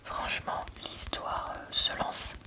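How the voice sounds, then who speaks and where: Casting: female ASMR book reviewer, hushed library whisper, very crisp bright edge, informal and halting delivery. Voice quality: soft, breathy unvoiced whisper, like a library whisper. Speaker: book reviewer, host of a reading channel.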